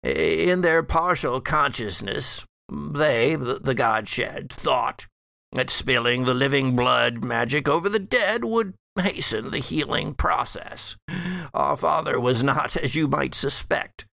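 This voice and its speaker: A man voicing a weary, mocking undead father in a horror roleplay, halting and condescending as he shares dark secrets. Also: mid-range voice, animated, creaky, no echo, exaggerated voice. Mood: brooding, explanatory. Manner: halting, drawn-out, condescending delivery. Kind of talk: improvised in-character horror roleplay.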